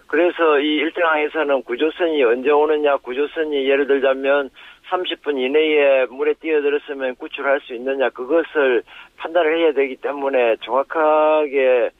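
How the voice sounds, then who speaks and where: A man, a professor, explaining on a news interview over a phone line, measured and pausing often with fillers. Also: on the high side, steady tone, no room sound. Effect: heard over a phone line. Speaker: professor, expert guest. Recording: tinny phone line, dry.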